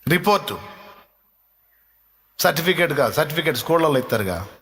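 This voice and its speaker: A man's voice: a little high, big pitch swings, a little fast, fairly bright tone. A male pastor giving an earnest sermon to a congregation, speaking with a Telugu accent and stressing his points by repeating them. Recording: long hall reverb.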